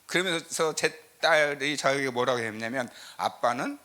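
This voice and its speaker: A middle-aged Korean pastor from the south with a slight southern regional lilt, preaching a teaching sermon with scripture readings and rhetorical questions. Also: male voice, mid-range voice, moderate pace, bright, forceful tone. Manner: emphatic, rhetorical questions, frequent "eo" fillers. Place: church sanctuary.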